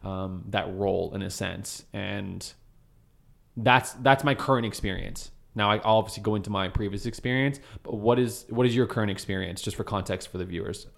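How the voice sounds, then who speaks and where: A man's voice: fairly low pitch, moderate pace, creaky. A man hosting a podcast, talking earnestly and encouragingly about his beliefs. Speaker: podcast host. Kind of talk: casual podcast talk.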